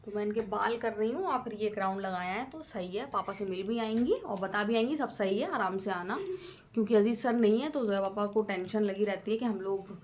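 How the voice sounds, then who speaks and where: A woman's voice: mid-range voice, a little fast, darkish tone, slight background noise. A woman in her thirties talking casually in a family vlog, chatty and rambling with many fillers. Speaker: vlogger.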